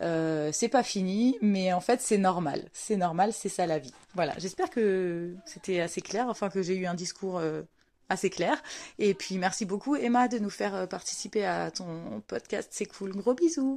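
A woman speaks at a fairly slow pace in a medium pitch, with a dark, mellow tone. Her intonation is lively, and the background is quiet. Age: 30s. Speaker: listener. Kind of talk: voice message testimony.

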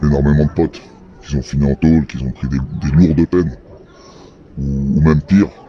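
Over noticeable background noise, a man with a very deep, low pitch talks at a fairly quick pace with fairly even intonation and long, frequent pauses. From France, Lyon. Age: 30s. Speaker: drug dealer. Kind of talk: interview. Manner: halting.

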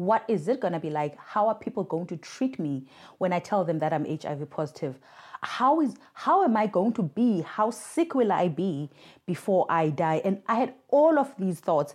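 In a South African accent, the speaker goes at a moderate pace with very wide pitch swings against a quiet background. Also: woman, medium pitch for a woman. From South Africa, Cape Town township. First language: a South African language, not English. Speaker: HIV peer mentor and charity communications worker. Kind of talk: interview, personal testimony. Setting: remote call.

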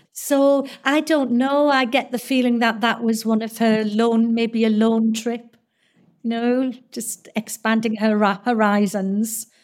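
A woman with a British accent, a fairly high pitch, fairly even intonation and a very slow pace. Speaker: actor. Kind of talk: casual interview chat.

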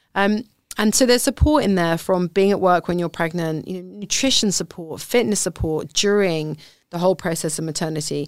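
A woman speaks in an ordinary speaking voice at a fairly low pitch and fairly quick pace. Pitch varies in an ordinary way on a very clean recording with a silent background. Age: 40s. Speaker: business founder. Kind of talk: interview.

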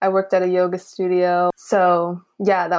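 This is a woman with a Chicago accent. Her voice sits at a medium pitch. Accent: American, Chicago. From US Midwest, Chicago. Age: 20s. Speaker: beauty writer. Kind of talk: interview.

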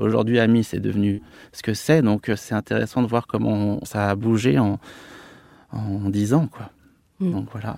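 A man speaks in a fairly low, dark, mellow voice with ordinary pitch variation. He leaves long, frequent pauses. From Annecy, Haute-Savoie, France. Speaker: interior architect and designer. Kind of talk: interview.

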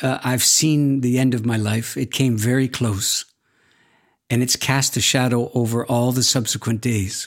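Medium-pitched male voice, monotone and flat, at a fairly slow pace. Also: very even loudness, very clean recording, silent background. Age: 60s. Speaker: author and speaker. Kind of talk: interview conversation, reflective. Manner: formal, deliberate, abstract.

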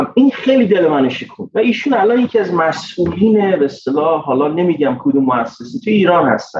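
A man speaks at a very fast pace. His high pitch moves in very wide swings. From Iran. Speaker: professor and career counselor. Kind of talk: interview.

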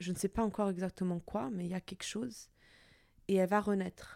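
A woman's medium-pitched, dark, mellow voice at a moderate pace, with fairly even intonation, on a very clean recording with a silent background and a dry, close sound with no echo. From Portugal. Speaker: podcaster. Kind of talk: personal monologue. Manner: hesitant.

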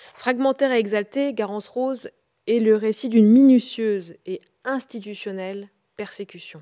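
A woman in a plain, everyday voice, ordinary pitch variation, moderate pace, dry, close sound with no echo. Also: fairly high pitch for a woman. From Mediterranean France. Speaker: writer and lecturer. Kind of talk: lecture.

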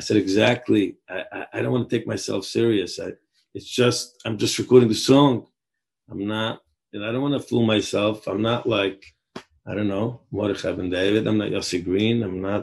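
A man talks with fairly even intonation. His voice carries vocal fry. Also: fairly low pitch for a man, moderate pace. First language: Yiddish. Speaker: amateur singer. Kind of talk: interview. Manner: halting with fillers.

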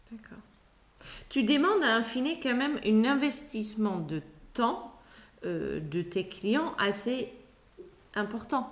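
A woman with a Dutch accent speaks at a very slow pace in a fairly high pitch, leaving long, frequent pauses over noticeable background noise. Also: lively intonation. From Netherlands. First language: Dutch (speaking French). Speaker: podcast host, interior decorator. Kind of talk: interview conversation. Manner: hesitant, many fillers.

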